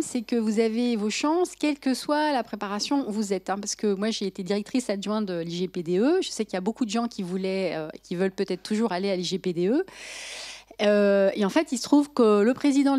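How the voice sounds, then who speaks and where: A woman's voice: medium pitch, a little mellow, no echo. Earnest woman on a dry mic. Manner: earnest, reassuring. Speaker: jury assessor. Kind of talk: formal encouraging address.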